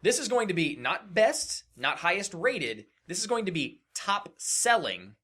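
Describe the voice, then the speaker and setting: A man's voice: sits high, measured pace, breathy edge. A man co-hosting a podcast in casual banter, running a trivia game with informal, sweary delivery. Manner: profane, animated, informal. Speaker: podcast co-host.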